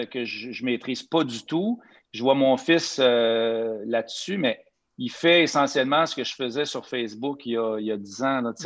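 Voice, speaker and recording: A man with a Quebec accent speaks at a fairly slow pace with ordinary pitch variation, the background quiet. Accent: Québécois French. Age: 50s. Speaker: TV host and photographer. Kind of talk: casual chat.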